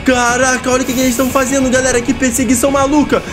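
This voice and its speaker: A young man giving excited gameplay commentary in a small room, calling out to his viewers and playing a police officer. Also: very high-pitched, very fast. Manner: hyped, shouts at the audience, plays the police role. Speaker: gameplay narrator. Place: small room with green screen. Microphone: headset. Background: loud game music.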